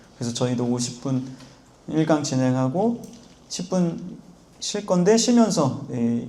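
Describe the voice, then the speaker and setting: A soft-spoken man with a calm, dark and mellow tone talks in a space with audible room echo. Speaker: seminary-trained youth minister, guest lecturer. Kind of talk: lecture. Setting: youth summer retreat lecture hall. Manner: calm, soft-spoken.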